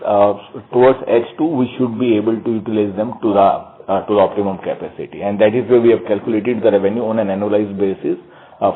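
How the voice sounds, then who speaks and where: A male executive explains figures on an earnings call in a lowish voice. The sound is a thin telephone band with a little noise under it. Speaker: company executive answering questions. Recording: narrowband phone line, faint noise.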